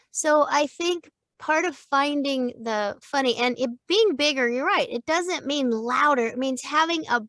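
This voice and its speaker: A middle-aged woman with a high, bright-pitched voice speaks at an unhurried pace, coaching-style and playful, laughing often as she thinks out loud. The sound is dry and close, with no room around it. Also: no echo. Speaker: podcast guest, voice actor and coach. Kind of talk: casual interview chat.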